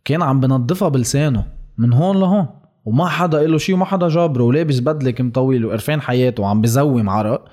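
A man's voice: medium pitch, quick pace, a little mellow. A man with a Lebanese Arabic accent chatting casually, telling anecdotes and throwing in rhetorical questions.

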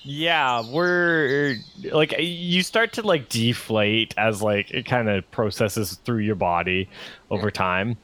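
A man runs a tabletop game at an unhurried pace, narrating loosely and leaning on fillers like "like" and "um." His voice sits at an ordinary pitch. Birdsong can be heard faintly in the background. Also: sharp tone. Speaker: game master.

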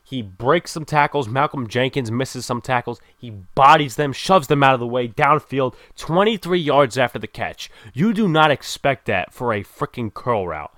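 A man casually recapping a football game, an excitable fan who swears and laughs, moving between calm play-by-play and loud outbursts. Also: medium pitch, normal speed, few pauses, no echo, studio quality. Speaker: sports podcast host.

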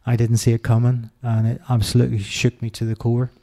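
A middle-aged Irish man speaks in a low-key, mellow voice that barely rises or falls. He talks haltingly and reflectively, restarting his sentences and filling pauses with ums as he opens up in an interview. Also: monotone. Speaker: interview guest. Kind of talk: candid personal interview.

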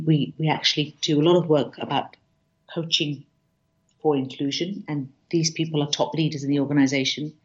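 A woman's voice: low-pitched, a little mellow, dull audio. A woman speaking as a diversity and inclusion consultant, emphatic, with frequent restarts and repeated words. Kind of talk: conversational interview talk.

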